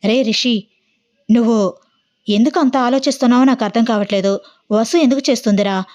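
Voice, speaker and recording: A woman's voice: on the high side, brisk, a little mellow, natural voice. A woman voicing a young man who is a loyal friend, speaking in a soothing, reasoning way.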